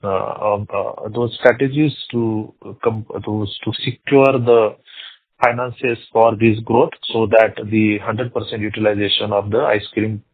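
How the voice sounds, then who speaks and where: A man with an Indian accent speaking as a company executive, answering investor questions in a halting, repetitive way over a phone conference call. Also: on the low side, fairly even intonation, dry recording. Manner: halting, repeats words and phrases. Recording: narrow, tinny phone-line sound.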